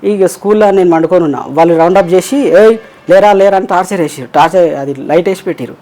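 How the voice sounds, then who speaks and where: A fast-talking transgender interview guest with a Telangana Telugu accent tells long, rambling personal stories in a casual way. The mid-range voice is warm, and quoted voices are acted out.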